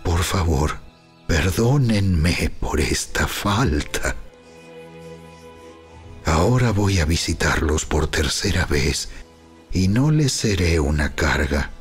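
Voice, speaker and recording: A man playing an earnest, humble apostle in a dramatized scripture reading, with solemn, deliberate, booming biblical narration. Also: expressive, faint music behind.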